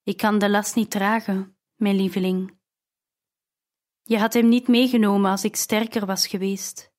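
A woman's voice: mid-range voice, steady tone, a little slow, darkish tone, natural voice. A woman reading as a despairing mother's farewell. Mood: sorrowful.

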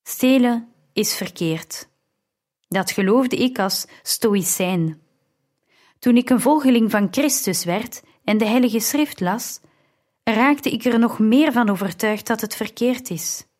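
A woman reading a calm, earnest young brother. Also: on the high side, takes it slowly.

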